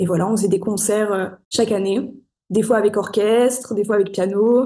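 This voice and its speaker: Intonation holds fairly even. Speech proceeds at a moderate pace. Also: woman. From southern France, Montpellier. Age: 20s. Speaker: psychology student. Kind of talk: interview. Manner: hesitant, many fillers.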